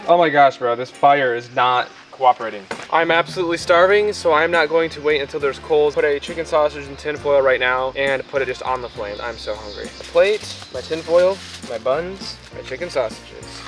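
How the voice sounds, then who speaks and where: A man's voice: on the high side, moderate pace, few pauses. A young man talks to the camera at an outdoor campsite. He is chatty, laid-back and joking. Faint music plays behind him. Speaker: camping vlogger. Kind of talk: casual vlog talk.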